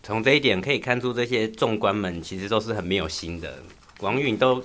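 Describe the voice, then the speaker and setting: A man adding to a casual retelling of a classic story, in a measured, explaining way. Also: lowish voice, a bit bright.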